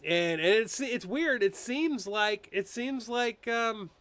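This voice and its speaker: This man's high voice moves slowly, and the recording is dry. He hosts a political commentary live stream in a loose, casual way, making fun of public figures with animated, mocking impressions and plenty of fillers and restarts.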